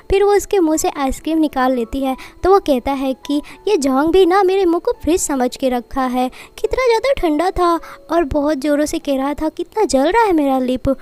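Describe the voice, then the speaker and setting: A woman with a high voice tells a film's story as a casual recap. She passes along what each character says in reported speech, in an easy storytelling way. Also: a little mellow. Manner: retells dialogue in reported speech. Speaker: movie recap narrator.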